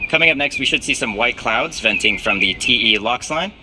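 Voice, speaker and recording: A man's voice: medium pitch, animated, fairly quick. A man giving live, explanatory commentary as host of a rocket launch webcast. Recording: clear background noise.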